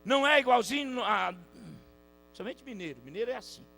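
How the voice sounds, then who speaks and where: Brief: male preacher, high voice, hushed asides breaking into shouted, stretched-out climaxes; call-and-response; mains hum. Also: expressive, vocal fry, soft background music, poor audio. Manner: swings between soft asides and shouted climaxes, calls for responses; drawn-out emphatic phrasing. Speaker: pastor. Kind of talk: Pentecostal-style preaching to a congregation. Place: church hall with congregation.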